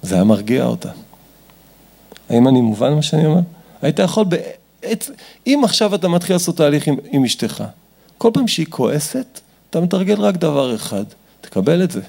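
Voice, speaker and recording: A man lectures an audience about family relationships, his voice gravelly and somewhat husky. He talks with wide swings in pitch and animated delivery, acting out dialogues as he goes.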